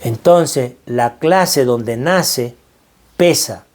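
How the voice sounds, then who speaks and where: Very slowly, in a mid-range and slightly mellow voice, a middle-aged Venezuelan man gives his financial mindset talk. The tone is earnest and preacherly. He repeats phrases to drive points home.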